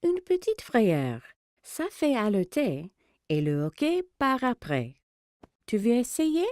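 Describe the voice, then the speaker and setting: A woman voicing a patient, gentle, reassuring young mother in a French children's cartoon dub. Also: a little high, wildly swooping pitch, takes it slowly, dry recording, clean studio sound, exaggerated voice. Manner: soothing, encouraging.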